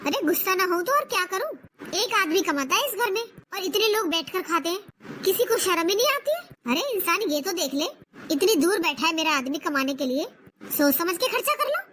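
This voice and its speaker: A woman voicing a sharp-tongued young wife who scolds her in-laws in an animated cartoon. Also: a little fast, exaggerated voice. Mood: scolding. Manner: scolding, high-pitched and shrill. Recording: noisy home recording.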